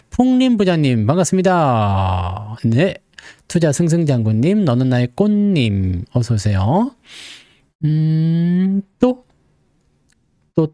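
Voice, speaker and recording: A chatty man hosts a stock market livestream and greets viewers one after another. His voice sits a little high and jumps around a lot as he jokes along. The sound is close and dry, with no room around it. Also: mellow, no room sound. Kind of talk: casual live-stream chat greeting viewers.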